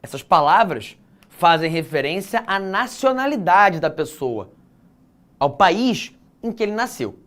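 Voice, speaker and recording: A man's voice: high voice, very animated, measured pace, a bit bright. A man with a Brazilian accent teaching an exam-prep geography lecture, stressing key words and speaking straight to his students.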